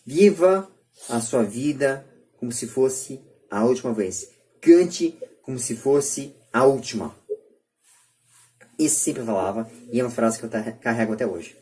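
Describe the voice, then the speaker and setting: A man's voice: medium pitch, expressive, measured pace, warm tone. A man with a São Paulo Brazilian accent giving his opinions as a podcast host in an emphatic, repetitive, rhetorical manner. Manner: emphatic, rhetorical, repeats phrases. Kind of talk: podcast debate, opinion monologue.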